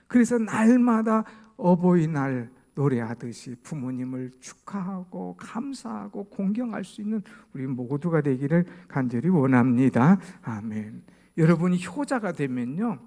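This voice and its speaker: A male pastor preaching a sermon, telling a story with hushed asides and raised exhortations. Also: high-pitched, gravelly. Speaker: senior pastor.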